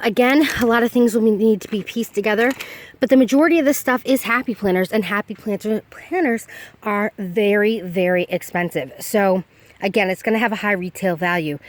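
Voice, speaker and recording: Breathless, fast-talking woman vlogger. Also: medium pitch, no room sound. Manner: fast, chatty, self-interrupting. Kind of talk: casual haul vlog.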